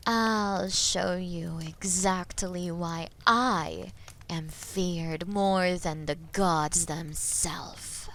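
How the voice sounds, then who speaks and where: An imperious female dragon, played by a woman, speaks at an extremely slow, deliberate pace. She is menacing and possessive, like a captor in a fantasy audio drama, and her phrases trail into breath. Faint noise sits behind the voice. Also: medium pitch.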